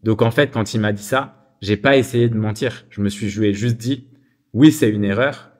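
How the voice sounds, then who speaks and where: A man's voice: on the low side, normal speed. Chatty French man telling stories. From France. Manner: chatty, many fillers, shifts voice to quote people. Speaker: entrepreneur telling his failures. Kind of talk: casual storytelling monologue.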